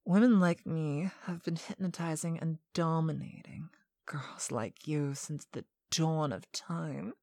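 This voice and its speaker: Playing a domineering mistress, a woman reads a scripted hypnotic monologue in a low, warm voice, balancing sweetness with sternness. Her delivery is deliberate and commanding, sometimes dropping to a breathy whisper, captured cleanly in a studio with no room sound.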